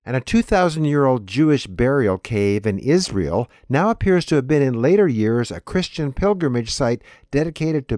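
A man's voice: medium pitch, a little mellow, no echo, studio quality. A man hosting the show, reading headline summaries and promotional announcements. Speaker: show host. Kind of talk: scripted announcements.

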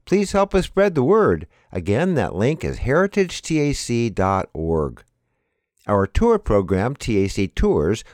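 A man's voice: mid-range voice, a little mellow, no echo, studio quality. A man reading a scripted promotional announcement for an archaeology broadcaster in an upbeat tone. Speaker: program announcer.

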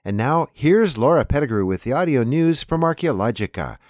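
A man hosting a weekly news program, reading an introduction and listing headlines in a measured way. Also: medium pitch, lively intonation, darkish tone, no room sound, clean studio sound. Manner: plain, measured announcer reading.

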